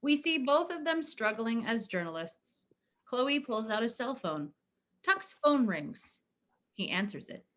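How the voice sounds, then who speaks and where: A woman narrates the stage directions for a play reading. Her voice is fairly high, and her intonation moves freely as she reads from the script. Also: sing-song, a little slow, a bit bright.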